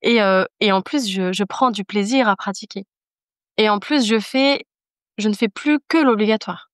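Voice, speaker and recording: A woman's voice: medium pitch, normal speed, no room sound, studio quality. A woman speaking as a podcast guest in casual conversation, giving an earnest, emphatic personal testimony and repeating phrases for emphasis.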